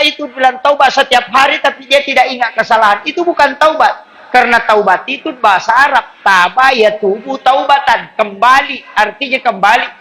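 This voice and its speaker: A man's voice: very high voice, pushed and bright, poor audio. A man preaching with a Buginese Indonesian accent, in a chatty, joking way, laughing between his points. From South Sulawesi, Indonesia. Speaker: Islamic preacher. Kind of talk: sermon. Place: recorded for a local radio station.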